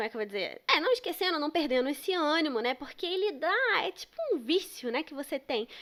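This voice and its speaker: Against a silent background in a very clean recording, a woman talks with lively intonation. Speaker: writing coach youtuber. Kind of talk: casual tutorial vlog.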